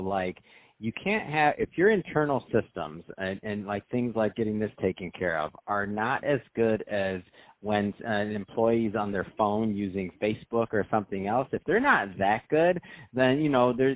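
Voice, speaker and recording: A male podcast host speaking in an energetic, chatty, promotional way, with a narrow, phone-like recording. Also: fairly low pitch. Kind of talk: upbeat podcast hosting and ad read.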